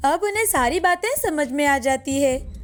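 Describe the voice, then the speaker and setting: Female storyteller, high and clear, steady explanatory narration for a kids' cartoon. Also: moderate pace, soft background music.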